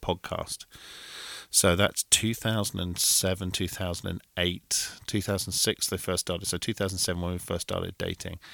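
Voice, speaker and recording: A man with a British accent speaks in a very deep, low voice with a bright, sharp tone and fairly even intonation. The sound is dry and close with no echo, on a very clean recording with a silent background. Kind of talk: casual chat.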